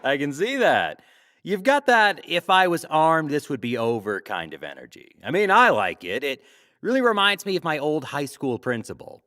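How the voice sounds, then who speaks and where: An actor playing a glib, teasing talk show host in a sci-fi audio drama, wry, theatrical and probing. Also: male voice, a little high, sing-song, moderate pace, pushed and bright. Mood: playful, teasing.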